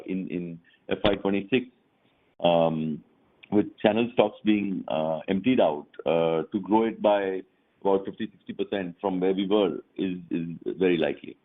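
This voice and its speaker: Deep-voiced man on phone line. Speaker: company executive answering analysts. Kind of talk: earnings call answers. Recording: narrow tinny phone line.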